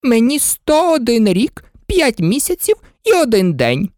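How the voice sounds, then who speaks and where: A woman's voice: big pitch swings, a little slow, darkish tone, dry recording, clean studio sound. A woman voicing a fussy, scatterbrained elderly queen who talks in flustered exclamations. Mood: insistent. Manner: flustered, exclaiming, squeaky at times.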